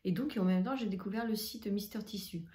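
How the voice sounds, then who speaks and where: A woman chatting casually in a sewing haul vlog, enthusiastic, with many hesitant pauses. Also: mid-range voice, mellow, echoey room. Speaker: sewing vlogger.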